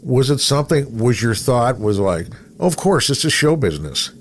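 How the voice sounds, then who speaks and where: A middle-aged man chatting casually as a podcast host, telling anecdotes in a rambling, animated way. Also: mid-range voice, moderate pace. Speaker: podcast host, veteran radio broadcaster. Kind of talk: casual interview chat with anecdotes. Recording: clear background noise.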